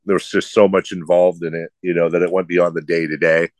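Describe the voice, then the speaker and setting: A middle-aged man who hosts sports radio speaks low and level, a little fast, in a nasal, droning voice with a slight lisp. He answers interview questions in a rambling, self-deprecating way, with no room sound.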